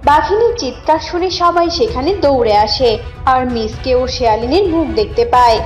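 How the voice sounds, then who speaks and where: A woman's voice: sits high, expressive, moderate pace, soft background music. A woman narrating a scripted cartoon animal tale as the storyteller.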